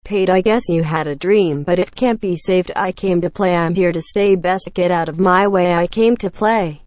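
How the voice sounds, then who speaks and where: A female text-to-speech robot voice reading song lyrics in a stiff way, with odd pauses between phrases. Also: on the low side, darkish tone, no echo.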